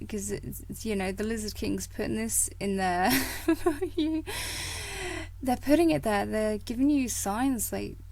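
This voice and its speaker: A woman hosting a motivational podcast in a casual, rambling way, full of fillers and little laughs, her voice croaky from a coming cold. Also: mid-range voice, a little mellow, no room sound. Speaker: podcast host.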